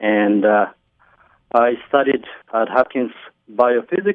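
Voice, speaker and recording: A man with an Eritrean accent and fairly even intonation. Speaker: author. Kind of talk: radio interview. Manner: hesitant, with fillers.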